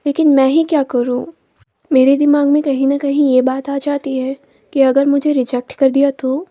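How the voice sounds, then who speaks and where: A shy young man in love, as a woman storyteller voices him, hesitant and sheepish. The voice is high and mellow, recorded dry. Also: flat delivery, moderate pace, no room sound, muffled recording, natural voice.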